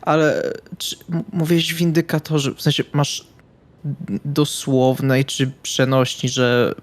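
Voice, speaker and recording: A man's voice: mid-range voice, little pitch movement, measured pace. A man playing a tabletop roleplaying game, talking conversationally in character in a hesitant, understated manner.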